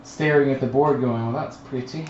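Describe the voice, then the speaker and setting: A man's voice: mid-range voice, steady tone, moderate pace, a little mellow. A man making ironic, joking asides in casual chat as co-host of a game stream. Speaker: co-host of a gaming live stream. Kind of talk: casual banter over a board game. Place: indoor room at a game table. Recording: echoey room, muffled lo-fi, noisy.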